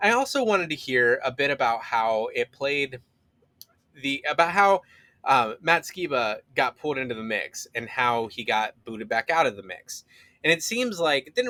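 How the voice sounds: Speaking at a moderate pace and a medium pitch, a man has lively intonation and a bright, sharp tone.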